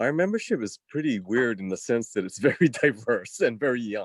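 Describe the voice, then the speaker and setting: The voice is a man's: a normal speaking voice at a medium pitch, with lively intonation. The sound is dry and close with no echo, over a quiet background. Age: 60s. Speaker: rotary club member. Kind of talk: video meeting discussion.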